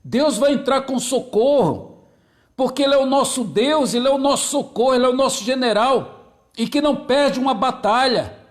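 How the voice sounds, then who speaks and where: A male pastor preaching a sermon, repeating key phrases and greeting viewers by name between points. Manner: slows and drops low on key phrases, repeats them.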